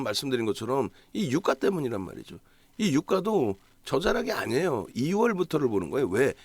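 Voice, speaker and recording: A man's voice: mid-range voice, creaky, husky, dry recording. A man giving a solo stock market analysis broadcast, talking emphatically, asking himself rhetorical questions and checking in with the audience.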